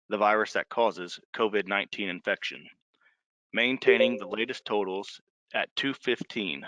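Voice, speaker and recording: Bright, forceful American man reading announcements. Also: lowish voice, no echo, poor audio. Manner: formal, measured, enunciates numbers and spellings. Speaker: official giving briefing on a conference call. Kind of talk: scripted public announcement, read item by item.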